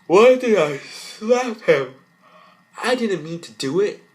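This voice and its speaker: A man's voice: high-pitched, animated, slow, a little mellow, pitched above the performer's own voice. A man voicing an anxious, guilt-ridden teenage cartoon girl in a raised, strained voice. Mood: guilty.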